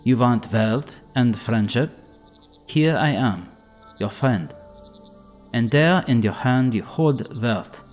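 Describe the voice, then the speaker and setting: A man's voice: mid-range voice, lively intonation, takes it slowly, soft background music. A man voicing a sly young male stranger who talks in a smirking, coaxing way. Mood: persuasive. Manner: smirking, coaxing, quietly persuasive.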